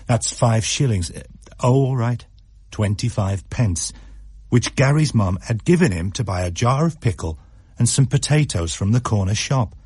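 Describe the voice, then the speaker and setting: A man narrating a radio story in an expressive, varied way. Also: medium pitch, normal speed, husky, no echo, studio quality. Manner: expressive, shifts pace for effect.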